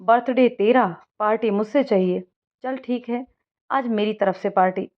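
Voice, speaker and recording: A woman's voice: fairly high pitch, a little slow, lightly acted. A woman voicing a cheerful, forgetful young office worker with a playful, teasing manner, on a dull lo-fi recording. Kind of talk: storybook voice acting.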